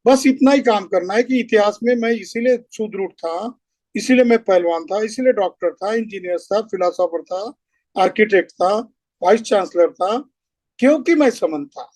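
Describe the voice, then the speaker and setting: High-pitched man, earnest lecturing speaker, dry close sound. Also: normal speed, a little mellow, no room sound. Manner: earnest, lecturing, builds points through lists. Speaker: speaker at a community meeting. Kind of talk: impassioned speech.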